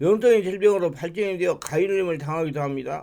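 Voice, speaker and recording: A man's high-pitched voice with a dark, mellow tone, fairly quick pace and ordinary pitch variation, on a very clean recording with a silent background. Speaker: pastor. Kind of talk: sermon. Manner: fast.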